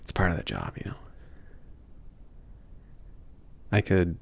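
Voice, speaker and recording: A man playing a laid-back, obliging mage shopkeeper in a soft, intimate ASMR roleplay, hesitant and rambling, husky and often near a whisper. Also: sits low, huge pitch swings, quick pace, heavily acted. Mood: soft, accommodating. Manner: hesitant, rambling, trailing off with small chuckles.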